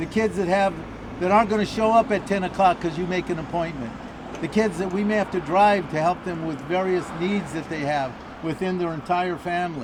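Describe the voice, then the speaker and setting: A man's high voice with an American accent, fairly quick, over noticeable background noise and audible room echo. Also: ordinary pitch variation. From Los Angeles, San Fernando Valley (Pacoima). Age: 70s. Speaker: community nonprofit leader. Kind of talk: press conference speech. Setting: high school event. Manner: animated.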